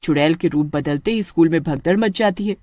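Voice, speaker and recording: A woman narrating an animated horror story in a steady, plain storytelling voice. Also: low-pitched, fairly quick, no echo.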